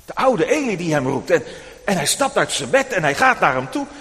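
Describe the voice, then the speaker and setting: Lively preacher telling children a story. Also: male voice, high-pitched, fairly quick, in a large hall. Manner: animated, addressing children directly.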